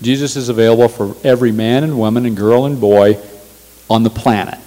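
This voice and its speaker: A man's voice: mid-range voice, steady tone, a little fast, warm tone, big-room sound, low-quality recording. A male pastor preaching a sermon in a church, emphatic and repeating his key phrases. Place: church sanctuary.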